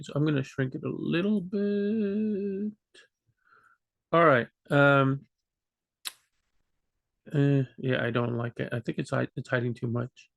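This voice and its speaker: A man's voice: on the high side, gravelly, no room sound. Rambling man, dry close sound. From Peru. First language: Spanish. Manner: rambling, self-deprecating, many fillers and restarts. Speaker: language vlogger. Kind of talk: unscripted rambling talk to camera.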